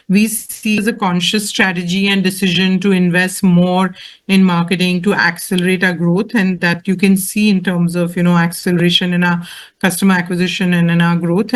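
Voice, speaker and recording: A company executive with a measured, explanatory way of talking, answering questions on an earnings call. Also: medium pitch.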